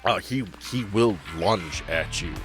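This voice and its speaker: A man running a tabletop roleplaying game as game master, improvising the narration in a dramatic, deliberate way with pauses. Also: lowish voice. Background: guitar-led music bed.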